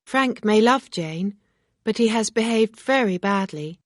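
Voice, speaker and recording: A woman's voice: medium pitch, lively intonation, a little slow, no echo, studio quality, voice pushed up, lightly acted. A woman reading a story aloud, voicing a proper young lady who speaks earnestly in precise, formal phrasing. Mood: disapproving.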